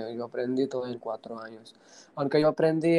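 Fairly quick and fairly even, a man's medium-pitched voice carries a dark, mellow tone. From India, Punjab. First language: Punjabi (speaking Spanish). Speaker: interview guest. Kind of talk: casual chat. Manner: halting.

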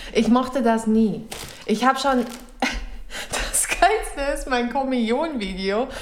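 Noticeable background noise fills the space around this woman. Her intonation is lively. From Germany, small town in North Rhine-Westphalia. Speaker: podcast co-host. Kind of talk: casual chat.

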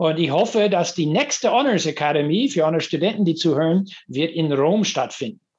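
A man with an American accent speaks at a high pitch, his loudness very even, his intonation lively and his delivery nearly free of pauses. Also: moderate pace. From US, New Mexico and Texas. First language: English (speaking German). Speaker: professor. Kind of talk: interview. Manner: hesitant with fillers.

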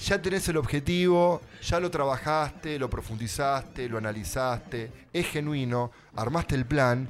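At a fairly slow pace, a man with a fairly high pitch speaks in a plain, everyday voice with ordinary pitch variation. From Argentina. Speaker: executive coach and author. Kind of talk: casual interview.

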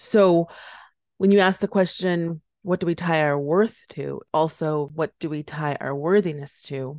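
Using a normal speaking voice, a woman talks at a fairly slow pace with a fairly low pitch and ordinary pitch variation, the sound dry and close with no echo. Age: 40s. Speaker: life coach podcast host. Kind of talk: casual chat.

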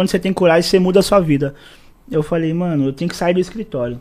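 Speaking at a very fast pace, a man has a dark, mellow tone at a fairly high pitch with ordinary pitch variation. The recording is very clean, with a silent background. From Minas Gerais, Brazil. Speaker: DJ and music producer. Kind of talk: casual chat.

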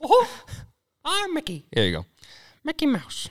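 A man speaks at a moderate pace. The sound is dry and close with no echo, a very clean recording over a silent background. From Arizona. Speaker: aspiring voiceover artist. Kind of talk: casual chat. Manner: soft-spoken.

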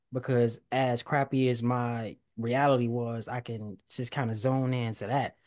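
In a very clean recording with a silent background, a man with a Southern US accent and medium pitch speaks at a fairly slow pace in a monotone, flat intonation. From Alabama. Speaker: rapper. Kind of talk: casual interview.

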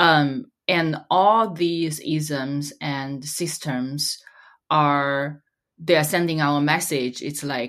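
A woman speaks at a very slow pace with a Chinese accent. Her pitch is very deep and low, with ordinary variation. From China. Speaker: podcast host. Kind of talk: casual chat. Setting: video call.

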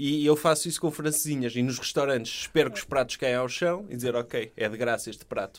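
Using an ordinary speaking voice, a man talks at a fairly quick pace with hardly any pauses, his fairly high pitch showing ordinary variation, on a very clean recording with a silent background. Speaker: comedy podcast host. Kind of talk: comedic banter.

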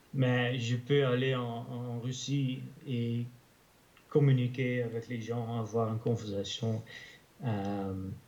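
A man with a medium pitch speaks at a very slow pace, leaving long, frequent pauses. His intonation is monotone and flat. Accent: Dutch. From Netherlands. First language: Dutch (speaking French). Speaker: polyglot language learner. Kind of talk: interview. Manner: halting.

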